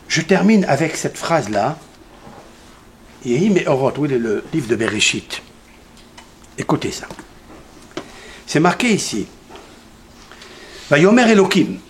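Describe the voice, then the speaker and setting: In this clip a rabbi leads an animated Torah lesson at a synagogue, posing questions to the congregation, supplying the answers, and emphatically repeating important numbers. His voice is mid-range and very animated, with a measured pace, long pauses, and slight background noise.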